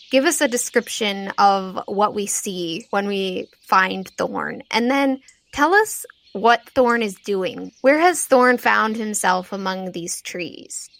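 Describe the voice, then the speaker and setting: A woman's voice: a little high, a bit bright. A woman hosting and narrating a tabletop role-playing game as game master, describing scenes in detail.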